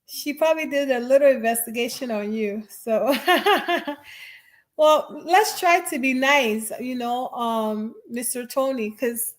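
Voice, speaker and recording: A woman hosts a live audio discussion, upbeat and brisk, encouraging the speakers. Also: high-pitched. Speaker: host of a live audio room. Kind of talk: hosting casual live chat.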